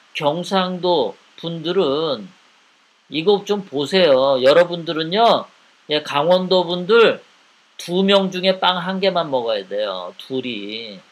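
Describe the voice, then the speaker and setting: A man's voice: on the high side, expressive, slow. A man hosting a live political commentary show, talking in an indignant way and piling up repeated rhetorical questions.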